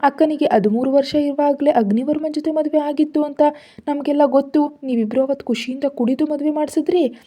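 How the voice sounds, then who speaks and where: A woman's voice: high voice, brisk, warm tone, voice pushed up, close to an everyday voice. A woman voicing a defiant seventeen-year-old girl who talks back in a mocking, pert way.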